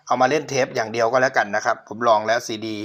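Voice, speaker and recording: Through a muffled recording, a middle-aged man with a medium-pitched, steady, fairly bright voice talks very fast. He hosts his own channel, courteously showing off an old cassette player for sale and frequently speaking to viewers in this casual demo.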